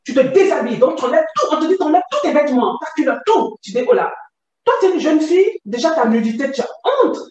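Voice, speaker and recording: A woman giving an emotional personal testimony, halting and pained, often rising to near shouts. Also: high-pitched, very animated, dull audio. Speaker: testimony guest. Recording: echoey room, far from the mic.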